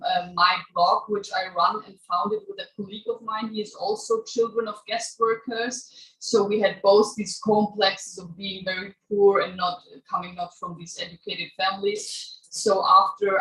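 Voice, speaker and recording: A woman with a German accent introducing herself at a public reading, halting, restarting often and laughing as she talks. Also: mid-range voice, a bit bright. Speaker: guest writer giving a reading. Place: small venue before a live audience. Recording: echoey room, voice from far off.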